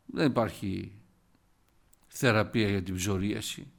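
A man gives a sermon in a loose, storytelling way, speaking to his congregation as brothers. His voice is gravelly, with a rough fry at the ends of phrases, and he keeps stopping to cough or add asides. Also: fairly low pitch, fairly even intonation. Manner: storytelling, retelling scripture with many asides and coughs. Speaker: preacher. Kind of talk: informal sermon.

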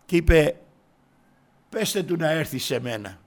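A man preaching a sermon, swinging between soft murmurs and loud fervent cries, and often addressing his listeners as brothers. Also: a little high, expressive. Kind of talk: impassioned sermon.

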